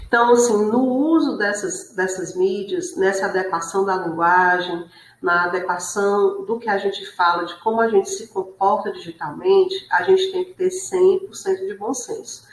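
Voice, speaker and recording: A woman teacher giving an online class lecture, explaining patiently and often checking in with tag questions. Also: medium pitch. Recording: roomy echo.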